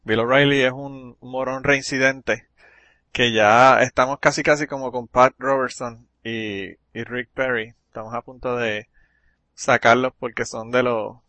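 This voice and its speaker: A man's voice: mid-range voice, fairly even intonation, sharp tone, dry recording. A man hosting a podcast in casual, joking chat, laughing often. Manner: joking, laughs often, talks fast in bursts. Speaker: podcast host.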